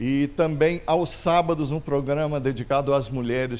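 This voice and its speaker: Audible room echo carries a man's fairly slow speech, delivered with fairly even intonation. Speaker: guest preacher. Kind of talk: church announcements; sermon. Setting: church.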